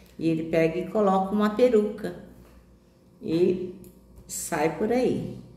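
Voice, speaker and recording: Audible room echo surrounds a woman speaking at a very slow pace with a medium pitch and ordinary pitch variation. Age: 60s. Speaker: Bible study teacher. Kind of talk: devotional Bible talk. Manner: casual conversational.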